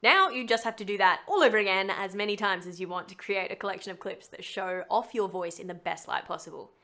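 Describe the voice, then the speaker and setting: Chatty, expressive woman giving a tutorial. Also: medium pitch, fast. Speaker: voice-over tutorial host. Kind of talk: explanatory tutorial to viewers.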